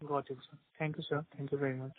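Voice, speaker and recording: A man's voice: mid-range voice, flat delivery, quick pace. A man calling in as an analyst, asking questions politely on an earnings call. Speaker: analyst caller. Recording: tinny phone line.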